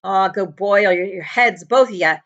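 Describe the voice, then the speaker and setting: A woman voicing a huge, gruff, hot-tempered wizard man from a storybook, blunt and emphatic, with drawn-out words. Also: mid-range voice, fairly bright tone, lo-fi sound, lightly acted. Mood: furious.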